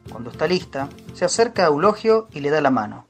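A woman's voice: deep voice, very animated, fast. A woman narrator reading scripted scene descriptions for a radio play, with faint music behind.

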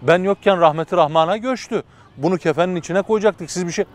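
A man's voice: sits high, fast, voice pushed up, lightly acted. A man voicing a merchant neighbor who talks in an anxious, regretful way.

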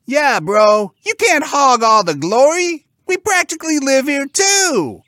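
A man voicing immature, girl-crazy young pig brothers in a storybook, excitable and whiny, talking in bro slang. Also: very high voice, measured pace, dry recording, clean studio sound, pitched above the performer's own voice, heavily acted. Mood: boastful, squabbling.

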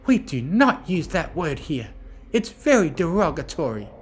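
Narrator as a high, gentle, protective pony girl. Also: big pitch swings, normal speed, slight background noise, natural voice. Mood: chiding. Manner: soft-hearted, earnest, chiding. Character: gentle, protective young female cartoon pegasus, animal lover.

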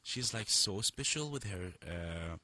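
A young man in his twenties with a Jordanian accent, co-hosting a radio show in a hesitant, casual way full of pauses. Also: sits low, expressive, bright, forceful tone, slight background noise. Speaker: radio co-host. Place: college radio studio.

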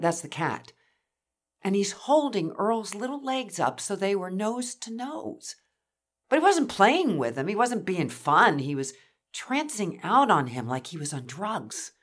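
Animated, worried mother. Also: mid-range voice. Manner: emphatic, unsettled. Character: worried, watchful mother of a teenage boy. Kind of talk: dramatic podcast monologue.

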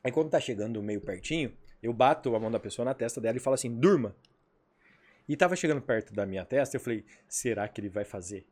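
Speaking rapid-fire with few pauses, this medium-pitched man is a hypnotherapist on a podcast. He chats casually and tells lively stories, performing the dialogue himself.

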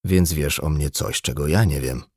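A man's voice: very deep voice, moderate pace, darkish tone, slightly rough, dry recording, studio quality, pitched below the performer's own voice. A man voicing a wounded, amnesiac man in an audiobook, terse and guarded. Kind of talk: audiobook dialogue.

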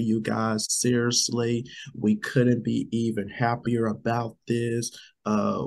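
A man co-hosting a casual show, sick and losing his voice, rambling and saying "you guys" a lot. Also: mid-range voice. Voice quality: gravelly, husky. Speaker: podcast co-host.

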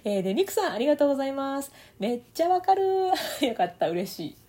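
A woman with a Kansai accent talking casually on her solo podcast, laughing often between phrases. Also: fast talker. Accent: Kansai Japanese. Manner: animated, swoops up and down in pitch. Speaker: audio podcaster and voice coach.

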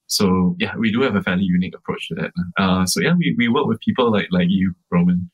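A startup co-founder answers interview questions casually, filling his speech with "like" and "uh" and often restarting. He's a native English speaker with a low voice who talks fast, with a breathy edge. The sound quality is lo-fi.

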